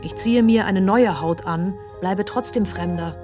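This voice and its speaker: An actress performing an outsider's literary radio monologue in short, incantatory, repeated phrases. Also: female voice, medium pitch, measured pace, over music, natural voice. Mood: anguished, insistent.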